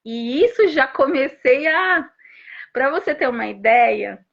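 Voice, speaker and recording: A mother in her thirties giving an emotional testimony about her son, talking in animated bursts with restarts. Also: sits high, gravelly. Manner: animated storytelling with frequent restarts and rapid asides. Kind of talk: emotional personal testimony on a live stream. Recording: dull lo-fi stream audio.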